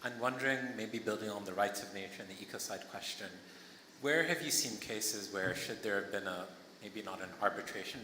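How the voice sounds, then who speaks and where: Audience member, man, very deep, rushed and fumbling, echoey hall, noticeable noise. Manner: rushed, searching for words. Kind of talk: question from the floor. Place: conference hall.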